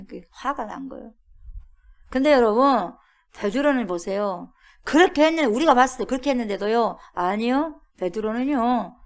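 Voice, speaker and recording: A woman pastor delivers a sermon in a high voice, often turning to the congregation with questions. She acts out quoted lines with sudden loud exclamations.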